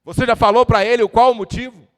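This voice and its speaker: A man with a Brazilian accent preaching a fervent Pentecostal sermon, swelling to shouts and calling on the congregation. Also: very high-pitched, fairly even intonation, quick pace. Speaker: evangelist preacher. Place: church service hall. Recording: echoey church hall.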